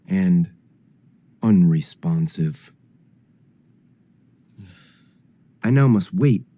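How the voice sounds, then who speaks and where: A weary male android, played by a man, in a film drama. The voice is soft-edged and dark, moving slowly through formal, carefully measured phrases with quiet curiosity. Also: low voice. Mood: weary, lethargic.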